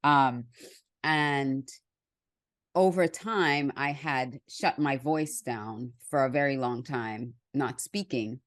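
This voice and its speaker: Low-voiced woman host, crisp diction. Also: slow pace, dry recording, clean studio sound. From Trinidad. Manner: candid, clearly enunciated. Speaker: podcast host. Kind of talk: conversational podcast interview.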